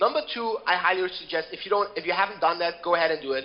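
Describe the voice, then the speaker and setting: Over noticeable background noise, a man talks in a high pitch. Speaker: SEO and WordPress expert. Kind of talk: interview.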